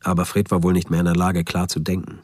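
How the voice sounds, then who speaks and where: An actor playing a sober, reflective friend who narrates events in a first-person radio drama. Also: male voice, low-pitched, completely flat delivery, quick pace, breathy edge, no echo, studio quality. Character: lonely man's friend recounting events soberly.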